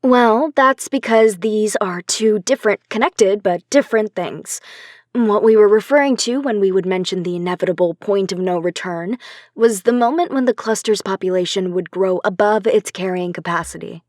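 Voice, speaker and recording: Female academic expert, played by an actress, audio drama. Composed, patient, articulate, medium pitch, dry recording. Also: normal speed, darkish tone, no echo, lightly acted. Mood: patient, explanatory. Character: composed female professor, expert guest on sci-fi radio news. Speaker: academic expert being interviewed. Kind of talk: scripted radio interview in an audio drama.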